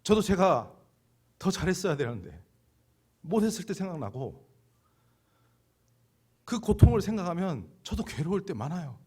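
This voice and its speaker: A middle-aged man, a pastor, preaching a sermon, swinging from loud exhortation to hushed, intimate storytelling. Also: sits high, sing-song, normal speed, long pauses, husky.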